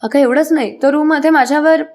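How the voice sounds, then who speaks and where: A woman's voice: sits high, fast talker, darkish tone, pitched above the performer's own voice, lightly acted. A woman reading the lines of a tearful young wife who complains and pleads, in a plain reading voice. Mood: tearful complaint. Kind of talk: reading a serial recap aloud.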